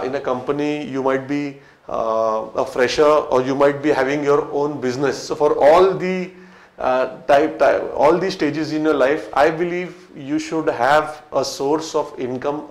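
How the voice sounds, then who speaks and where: A man in his thirties with an Indian English accent, talking to camera in front of a whiteboard as a business coach, with many fillers and restarts. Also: fairly high pitch. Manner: conversational, many fillers and restarts, gesturing while explaining. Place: small room in front of a whiteboard, indoors. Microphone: fixed camera, medium shot. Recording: echoey small room.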